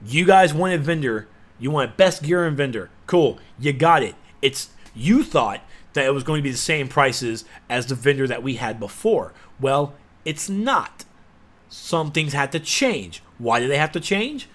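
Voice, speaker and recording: A man giving a sarcastic, exasperated rant as a gaming commentator, with sudden loud outbursts. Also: a little high. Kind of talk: ranting video commentary.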